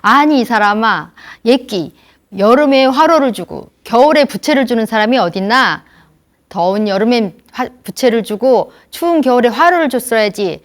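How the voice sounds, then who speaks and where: A woman voicing an irate old man who loudly scolds a gift-giver, in a storytelling lecture. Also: a little high, expressive, moderate pace, voice pushed up, close to an everyday voice. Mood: furious. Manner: loud, scolding shout.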